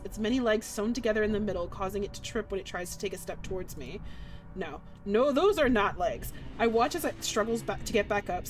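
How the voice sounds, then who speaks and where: A young woman reading a dark visual novel aloud in dramatic first person, breaking off for giggly asides. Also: mid-range voice. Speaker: streamer playing a game.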